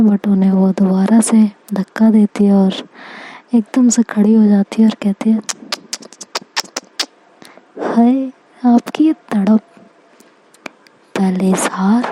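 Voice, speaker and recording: A woman narrating a romantic audio story, slow and soft, often slipping into whispers. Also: mid-range voice, low-quality recording.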